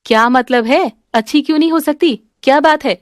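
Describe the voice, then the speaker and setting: A woman's voice: sits high, fairly quick, no room sound, studio quality, lightly acted. A woman voicing a strict, commanding mother-in-law who scolds her daughter-in-law. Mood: stern.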